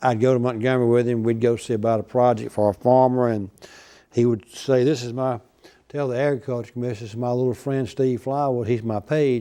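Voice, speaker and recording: A man's medium-pitched, dark, mellow tone in an Alabama accent, with monotone, flat intonation at a fairly quick pace. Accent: Alabama Southern. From US South, Troy, Alabama. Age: 60s. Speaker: former legislator and political columnist. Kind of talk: interview storytelling.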